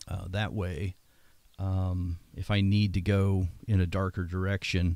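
Pitched very deep and low, a man speaks at a fairly slow pace in a dry recording with no echo. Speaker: art instructor. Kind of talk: tutorial. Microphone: studio mic.

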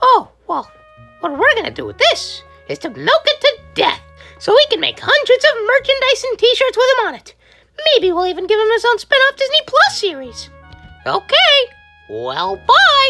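In a squeaky, cartoonish character voice, the speaker moves at a moderate pace with long, frequent pauses while faint music plays in the background. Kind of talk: comic cartoon impression. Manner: cheery, excitable, greedy.

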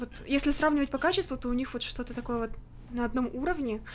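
A woman with a high pitch talks at a fairly quick pace with fairly even intonation, and light background noise can be heard. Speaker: streamer. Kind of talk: casual stream reaction chat. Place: home room.

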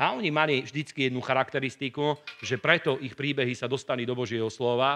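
This man speaks at a moderate pace. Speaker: preacher. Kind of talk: sermon. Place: church. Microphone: headset.

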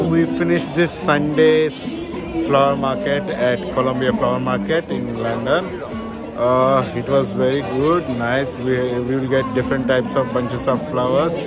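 A man speaks over loud music in the background. The sound is dry, with no echo. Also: moderate pace. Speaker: vlogger. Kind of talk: casual vlog chat. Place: market. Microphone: phone near.

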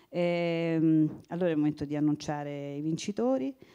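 Against a quiet background, a woman speaks at a moderate pace with a very deep, low pitch, a dark, mellow tone and fairly even intonation. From Tuscany, Italy. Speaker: award jury presenter; presenter. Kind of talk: public presentation. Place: hall. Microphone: handheld.

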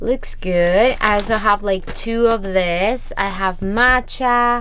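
A woman talks with fairly even intonation. There is noticeable background noise. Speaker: vlogger. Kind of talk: casual vlog chat. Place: home room. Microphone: phone near.

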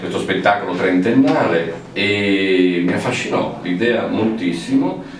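In a room with audible echo and light background noise, a man with a very deep, low pitch and ordinary pitch variation speaks at a very slow pace with hardly any pauses. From Italy. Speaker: stage actor. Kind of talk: interview answer. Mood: warm, appreciative. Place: home room.

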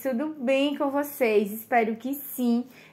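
Her tone is warm and high-pitched, with ordinary pitch variation as this woman speaks fairly slowly. The recording is very clean, with a silent background. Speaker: market vlogger promoting clothing wholesalers. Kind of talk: breathless wholesale sales pitch, run-on price calls for shop owners. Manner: warm, urgent hawker pushing viewers to hurry.

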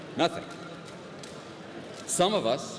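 Noticeable background noise sits beneath a man's speech. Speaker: speaker. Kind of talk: political speech. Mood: grave, indignant. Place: hall. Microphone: podium.

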